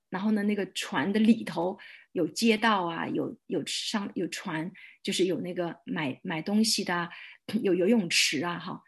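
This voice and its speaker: A woman pastor giving a personal testimony, telling her story in a lively way and acting out her own prayers. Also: medium pitch, breathy edge.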